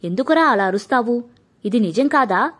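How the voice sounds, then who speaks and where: A woman's voice: on the high side, animated, normal speed. A woman voicing a stern, proud mother. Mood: sharp, scolding. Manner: sharp and scolding, softening into grief. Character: stern middle-aged mother, proud, fierce about family honour.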